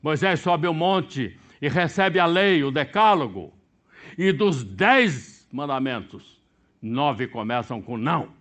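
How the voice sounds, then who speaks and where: A middle-aged man from Brazil preaching a sermon, swinging between sudden loud, high bursts and quiet, low asides. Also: animated, slow pace. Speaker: pastor.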